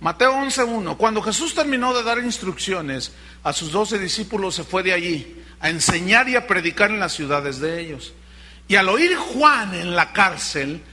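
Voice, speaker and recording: A man's voice: high voice, bright, forceful tone. A man, a pastor preaching a sermon with dramatic rhetorical questions.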